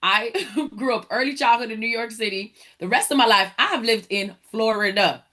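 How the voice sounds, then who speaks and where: Energetic preacherly woman host. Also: fairly high pitch, normal speed. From Dominican Republic. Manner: energetic, preacherly, talks to audience as y'all. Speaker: podcast host, entrepreneur. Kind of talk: motivational faith talk.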